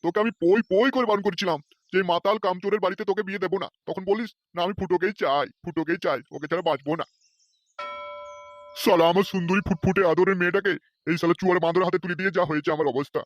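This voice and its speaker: Guy doing a sly cheapskate old father-in-law from a cartoon, fast, high-ish. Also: muffled recording, slight background noise, lightly acted. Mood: wheedling. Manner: wheedling, self-pitying. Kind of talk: cartoon voice acting.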